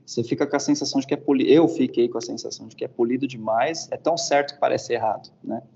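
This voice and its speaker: A man talks casually and reflectively, hesitating and tagging his phrases with questions. His voice sits at a middle pitch. The recording is dull and lo-fi. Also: fairly even intonation, fast, gravelly, warm tone. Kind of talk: casual chat about guitars. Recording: dull lo-fi sound.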